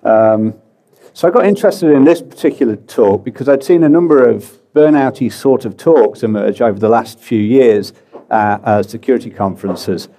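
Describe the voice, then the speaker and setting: A British man giving a relaxed, chatty conference talk, full of fillers and self-deprecating asides. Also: medium pitch, normal speed. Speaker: conference speaker. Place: conference hall.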